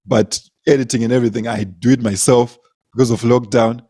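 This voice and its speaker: A man's voice: mid-range voice, steady tone, a little fast, warm tone, husky. A young man from Zimbabwe, a comedian, telling stories in casual conversation, laughing often and repeating words as he goes. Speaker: comedian, guest.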